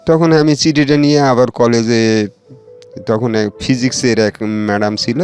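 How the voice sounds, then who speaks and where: A man's voice: mid-range voice, moderate pace, darkish tone, faint music behind. A middle-aged man with a colloquial Bangladeshi accent, telling his own life story in a casual, meandering way and acting out what others said. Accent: Bangladeshi colloquial Bengali. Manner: rambling storyteller with fillers and restarts, quoting others. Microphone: radio studio or phone-in line.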